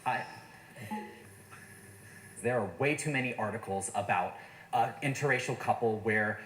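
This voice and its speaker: A man in a panel discussion, speaking in a measured, serious way. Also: medium pitch, fairly bright tone, roomy sound, a little hiss or hum. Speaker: panel guest. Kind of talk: casual discussion.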